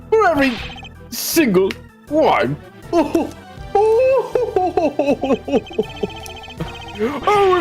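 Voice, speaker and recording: A cruel, smug villain, voiced by a woman who savors every word. The delivery is slow and drawn out, with pitch swooping wildly from low growls to high sneers. Faint music plays underneath. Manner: slow, relishing, mocking. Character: gloating villainous adult prosecutor, cruel and smug. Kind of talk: fan reading of game dialogue.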